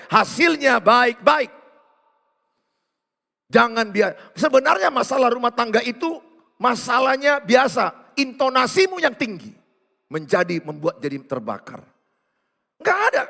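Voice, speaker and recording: A male pastor, preaching a teasing, animated sermon and acting out quoted voices. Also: sits high, gravelly. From Indonesia. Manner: lively, teasing, acts out quoted voices, swings between loud and hushed. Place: large church hall. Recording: long hall reverb.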